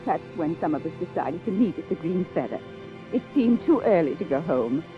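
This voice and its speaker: A woman playing an aging, passionate stage actress in a 1950s-style detective radio play, theatrical and halting. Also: lowish voice, sing-song. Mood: tense recollection. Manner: theatrical, halting with emphatic repetition. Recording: lo-fi radio drama, faint music.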